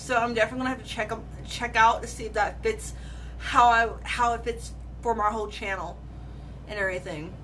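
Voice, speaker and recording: There is noticeable background noise and audible room echo as a woman talks. She moves at a fairly quick pace with long, frequent pauses. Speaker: streamer. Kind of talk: casual live stream chat. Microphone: laptop camera.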